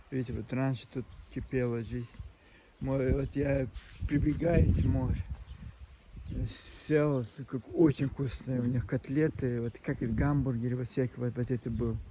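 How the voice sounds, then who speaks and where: A man talking to his phone camera outdoors at a seaside resort, in a language that is not his first. His speech is halting, full of restarts and side tracks, and his pitch sits in an ordinary middle range. Clear noise from the shore runs under his voice. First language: not Russian. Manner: halting, many restarts and digressions. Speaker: vlogger. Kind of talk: rambling outdoor vlog monologue. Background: noise of the sea shore.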